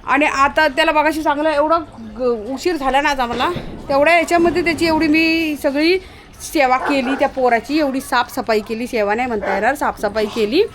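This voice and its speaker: Woman vlogger, high voice, scolds and calls out to her dog, outdoors at night, handheld phone, faint background noise. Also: fairly quick. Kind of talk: casual vlog narration to viewers.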